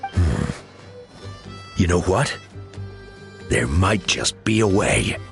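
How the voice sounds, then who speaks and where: An earnest tribal elder in a fantasy game. His lowish voice moves expressively as he speaks with deliberate weight, faint music behind him. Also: big pitch swings, vocal fry, full character voice. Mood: pondering. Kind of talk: video game character dialogue.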